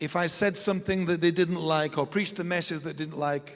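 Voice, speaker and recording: A man speaks at a fairly high pitch with an English accent. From England. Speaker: pastor. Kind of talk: sermon. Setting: church.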